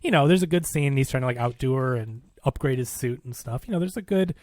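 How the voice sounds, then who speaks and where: A man's voice: mid-range voice, fast talker, darkish tone, no echo, clean studio sound. Male podcast host chatting casually. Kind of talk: casual movie review chat, recapping a plot.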